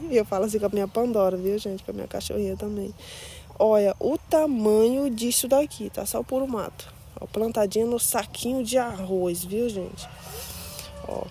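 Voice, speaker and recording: A woman's voice: medium pitch, slight background noise. A woman touring her garden on her phone, chatty and doting as she coos over her plants. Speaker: plant vlogger. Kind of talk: casual garden tour. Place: outdoor garden. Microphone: phone held while filming.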